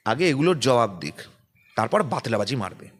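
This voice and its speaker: A man's voice: mid-range voice, big pitch swings, fairly quick. A man with a Bengali accent giving an emphatic, combative press statement as a political spokesperson.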